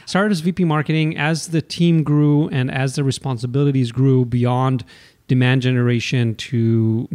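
A man's voice: mid-range voice, darkish tone, dry recording. Wry man from Israel in his forties. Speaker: guest, marketing executive. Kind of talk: podcast interview.

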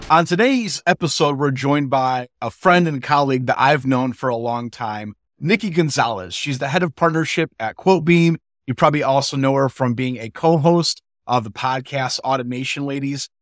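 A man's voice: mid-range voice, moderate pace, no room sound, clean studio sound, faint music behind. Upbeat male podcast co-host. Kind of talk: podcast interview hosting. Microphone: video call.

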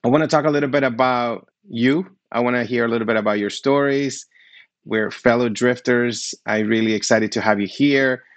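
A man's voice: mid-range voice, normal speed, no echo. A middle-aged man hosting an interview podcast in an upbeat, welcoming way with plenty of follow-up questions. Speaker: podcast host.

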